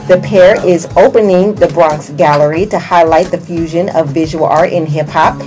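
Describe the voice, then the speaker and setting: A woman's voice: fairly low pitch, steady tone, normal speed, over music, rough recording. An American woman co-hosting a radio show, giving news and commentary in a casual way. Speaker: radio co-host. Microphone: studio microphone on boom arm.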